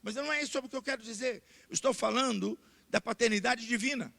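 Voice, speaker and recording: Brazilian pastor preaching, really high bright voice, says stuff twice and gets loud, big echoey church. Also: male voice, quick pace, gravelly. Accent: Brazilian Portuguese. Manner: repeats key points, rising to loud emphatic declarations. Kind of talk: sermon. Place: church sanctuary. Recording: long church hall reverb.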